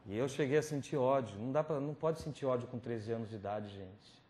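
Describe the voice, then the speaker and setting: A male preacher telling a personal testimony at a youth camp, acting out scenes with sudden drops to whispers and loud pleading cries. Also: medium pitch, a little fast. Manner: dramatic storytelling, swinging from whispers to loud pleading. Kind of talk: testimony sermon. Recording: roomy hall recording with faint noise.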